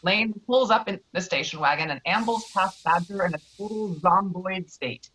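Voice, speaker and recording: A woman's voice: on the low side, moderate pace, a bit bright. A woman narrating stage directions from a screenplay at a virtual table read, recorded over an online call. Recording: dull lo-fi online call audio.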